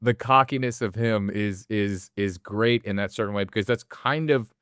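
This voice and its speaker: Low, smooth-voiced man chatting about film. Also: normal speed, fairly bright tone, dry recording, studio quality. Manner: rambling, swears freely, stumbles over restarts. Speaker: podcast co-host. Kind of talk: casual podcast chat about film.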